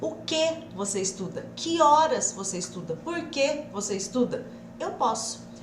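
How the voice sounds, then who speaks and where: A young Brazilian woman teaches English in a live stream, her voice a little high and full of energy. She slows down to drill phrases and pushes the audience to answer aloud. The room is echoey, with a faint hiss behind her. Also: very animated. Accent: Brazilian Portuguese. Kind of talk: live online English lesson.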